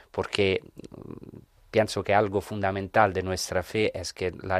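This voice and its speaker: A man's very deep, low voice at a fairly slow pace, dry and close with no echo, on a very clean recording with a silent background. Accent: Italian. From Italy, Rome. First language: Italian (speaking Spanish). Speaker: priest and biblical scholar. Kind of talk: interview.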